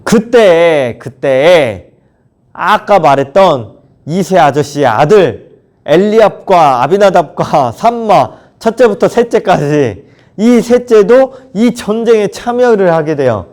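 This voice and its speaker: A young man, a children's ministry pastor, telling a Bible story to kids in an animated storytelling way and acting out the characters. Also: high-pitched, slow. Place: church, recorded alone. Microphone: camera mic, unmasked solo recording.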